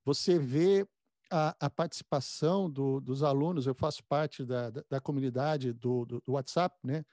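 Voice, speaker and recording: A man hosting a casual conversational interview, speaking haltingly and often repeating words as he goes. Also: medium pitch, darkish tone, no echo, clean studio sound. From born in the United States.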